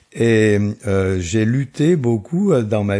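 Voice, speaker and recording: The voice has a dark, mellow tone, captured on a very clean recording against a silent background. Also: man. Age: 70s. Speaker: astrologer. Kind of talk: interview. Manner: hesitant, many fillers.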